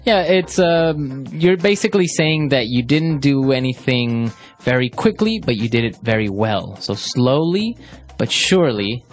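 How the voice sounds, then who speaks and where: A man's voice: medium pitch, animated, unhurried, faint music behind. A man co-hosting an English lesson podcast, leading segments and affirming his partner. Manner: leads segments, affirms often. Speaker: co-host, English teacher. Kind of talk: language lesson podcast chat.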